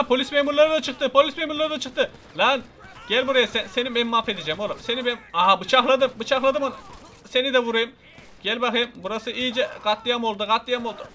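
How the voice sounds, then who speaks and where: Young guy yelling over his game, high bright voice, keeps repeating himself. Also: slight background noise. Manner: loud, repetitive, playfully menacing banter. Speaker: gameplay video host. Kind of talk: excited gameplay commentary.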